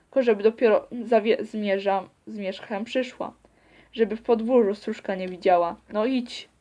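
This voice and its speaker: A woman's voice: mid-range voice, fairly even intonation, moderate pace, dark tone, lightly acted. A woman reading the part of a sick, weak mother who speaks to her son in tired, broken phrases from her bed. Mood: weary, urgent. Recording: dull lo-fi recording.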